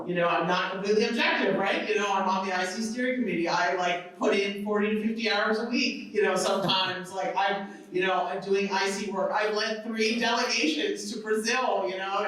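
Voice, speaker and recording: A man speaking as a panelist, talking emphatically and with frequent fillers. His voice is high and bright, and he sounds distant in a big echoing hall. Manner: emphatic, conversational, many "you know" fillers. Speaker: panelist, steering committee member. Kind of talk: panel discussion answer. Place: large echoey meeting hall. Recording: echoey hall from far off.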